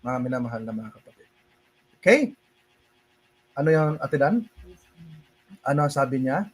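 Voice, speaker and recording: A man's voice: medium pitch, expressive, normal speed, husky. A man with a Filipino accent preaching a livestream sermon and answering viewer questions, switching between Tagalog and English and often laughing as he calls his listeners brothers and sisters. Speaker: pastor.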